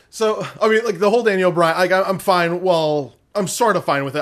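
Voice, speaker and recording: A man with an American accent speaks at a fairly quick pace in a high pitch, with ordinary pitch variation, on a very clean recording with a silent background. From Michigan. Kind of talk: casual chat.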